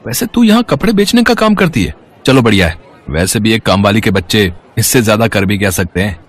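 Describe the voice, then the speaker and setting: A man's voice: lowish voice, very animated, a little fast. A man playing a spoiled, arrogant rich young son in a dramatised story, entitled and mocking, dropping in English words. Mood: mocking, smug. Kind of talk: dramatised Hindi story acting.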